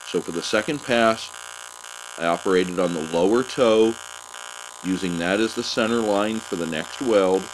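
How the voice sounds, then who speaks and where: A man giving a calm, methodical voice-over as a welding instructor, walking through settings and technique step by step. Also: deep voice, a little hiss or hum, low-quality recording.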